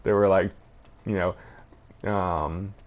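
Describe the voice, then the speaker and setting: Low-pitched man casually commenting on a game. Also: fairly even intonation, slow, highs cut off. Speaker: gaming video host.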